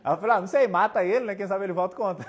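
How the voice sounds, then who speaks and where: A man's voice: high-pitched, racing. A Brazilian man with a Brazilian Portuguese accent giving a casual spiritist talk, telling anecdotes and quoting people with jokes along the way. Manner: chatty, anecdotal, quotes people in his stories, jokes. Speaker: spiritist medium speaker. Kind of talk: casual storytelling talk with audience questions.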